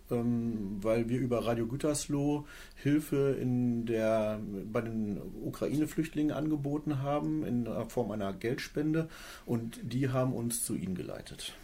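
A man's voice: medium pitch, a little slow, mellow. A man in his forties, a company director, answering interview questions hesitantly with many fillers. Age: 40s. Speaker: company director, radio guest. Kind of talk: radio interview.

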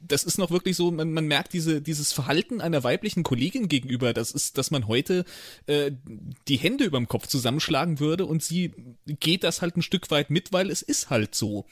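A man's voice: fairly high pitch, animated, moderate pace, husky, dry recording, clean studio sound. A man co-hosting a podcast, speaking thoughtfully with some fillers. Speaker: podcast host. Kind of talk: casual podcast discussion.

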